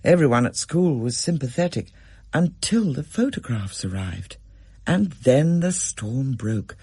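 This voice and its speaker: Husky, animated story reader, dry studio sound. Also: mid-range voice, a little slow, no room sound. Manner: expressive, varied storytelling. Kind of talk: scripted story reading.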